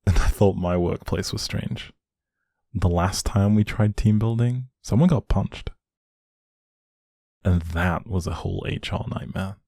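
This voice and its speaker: A man playing a doting, playfully teasing young boyfriend in an intimate one-sided roleplay, speaking affectionately with a soft, husky voice. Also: unhurried, no room sound, clean studio sound, exaggerated voice. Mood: attentive, gentle. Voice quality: low, soft, husky, creaky.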